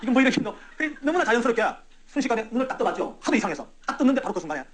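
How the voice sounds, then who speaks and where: A man, a church elder telling a testimony to his audience in an animated, conversational way that swings from loud to hushed. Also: very high-pitched, very fast, noisy background. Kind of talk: storytelling testimony sermon.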